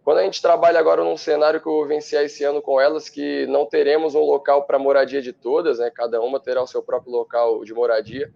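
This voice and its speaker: A man, a football coach on a studio interview, who explains his views fluently and in a measured way. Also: medium pitch, flat delivery, vocal fry, a little mellow, dull audio. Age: 30s.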